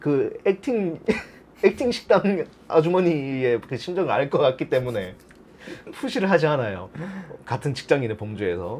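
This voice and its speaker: Over noticeable background noise, a man speaks at a fairly high pitch and fairly slow pace with very wide pitch swings and long, frequent pauses. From Gyeongsang region, South Korea. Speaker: nurse. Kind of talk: casual interview chat.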